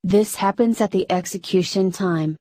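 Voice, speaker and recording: A woman narrating a programming tutorial in a flat, synthetic-sounding scripted delivery. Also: medium pitch, moderate pace, no room sound.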